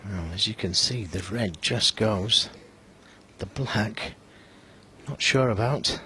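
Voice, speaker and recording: A man giving sparse, conversational snooker commentary in short, measured observations. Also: fairly low pitch, sharp tone, a little hiss or hum.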